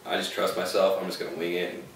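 A man's voice: low-pitched, fairly even intonation, fast, slight background noise. A young man hosting a casual podcast, hyped and profane with bro slang. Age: young adult. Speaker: podcast host. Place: living room with couch. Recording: echoey room, mic far off.

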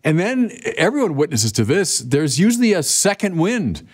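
An older man in his sixties delivers a sermon in a lively, chatty way. His pitch rises and falls freely as he speaks straight to the listeners. A close lapel mic in a quiet indoor studio picks him up. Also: moderate pace, slightly rough. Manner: animated, conversational preaching with direct appeals. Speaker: bishop.

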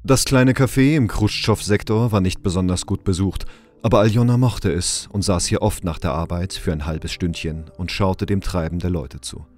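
A man's voice: low-pitched, normal speed, a little mellow. A man giving scripted narration for an audio drama.

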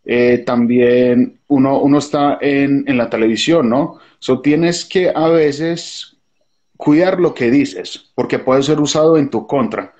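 A man's voice: mid-range voice, takes it slowly, a little mellow. A young man from Colombia with a Colombian accent, a guest talking earnestly and thoughtfully about his time on a TV show, dropping English fillers into his speech. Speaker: guest, former TV show contestant. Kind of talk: casual video call interview. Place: dim room indoors. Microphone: phone video call. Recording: lo-fi video call audio.

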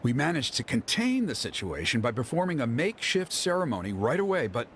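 An actor playing a stern, proud middle-aged father and tribal elder in a video game, speaking in a formal, measured way. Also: mid-range voice, wildly swooping pitch, noisy background. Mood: grave, explaining. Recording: game audio with loud music. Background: loud game music.

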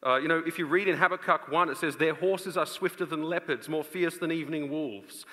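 A man's voice: fairly high pitch, brisk, pushed and bright. A man in his thirties preaching from a stage in an emphatic, explanatory way, posing rhetorical questions as he expounds scripture. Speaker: preacher, conference speaker. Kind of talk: expository Bible lecture to a live audience. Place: stage of a large auditorium. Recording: reverberant large hall.

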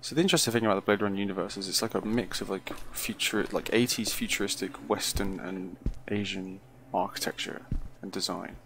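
A man's voice: lowish voice, fairly even intonation, brisk, few pauses, a bit bright. A man giving casual first-impressions commentary on a game, musing aloud hesitantly and often trailing off. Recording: clearly noisy recording.

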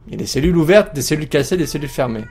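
A man commentating a horror game as he plays it, jokey and excitable, talking to himself. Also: a little high, racing, a little hiss or hum. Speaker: let's play host.

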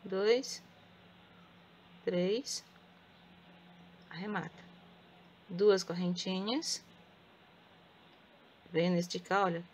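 A woman with a Brazilian Portuguese accent teaching crochet step by step. She speaks softly with a sore throat and counts stitches aloud. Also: lowish voice, drawn-out words, long pauses, slight background noise. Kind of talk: step-by-step craft tutorial.

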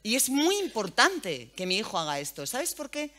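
Animated, frank woman speaker. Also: fairly high pitch, normal speed. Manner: frank, colloquial and animated, swears freely. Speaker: journalist and radio host giving a talk. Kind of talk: lively public talk to an audience. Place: event hall.

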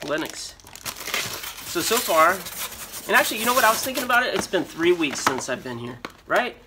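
A man's voice: high-pitched, sing-song, fairly quick. A middle-aged American man giving casual, unscripted commentary while unboxing, rambling and thinking aloud. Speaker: vlogger, storage auction buyer and reseller. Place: storage unit with concrete floor. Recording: noisy handheld recording, crinkling and clicks. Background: loud rustling, crumpling and clicking.

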